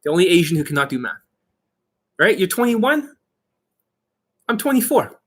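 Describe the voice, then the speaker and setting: A man giving informal coaching to online viewers as their host, brash and boastful, with emphatic, sweary delivery and a slightly rough, husky voice. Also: high voice, very animated, normal speed, a bit bright. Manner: acts out mock exchanges, emphatic.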